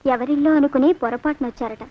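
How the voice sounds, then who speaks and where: A naive young village girl, played by a woman in an old film, answering in a meek and innocent way. Her voice is high and quick over a dull, lo-fi soundtrack. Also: fairly even intonation, close to an everyday voice.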